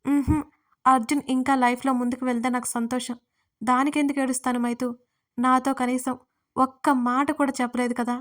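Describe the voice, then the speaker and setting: A woman's voice: high-pitched, level tone, brisk, fairly bright tone. A woman voicing a young woman in an audio story, hurt, jealous and weepy, pleading through sniffles. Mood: tearful.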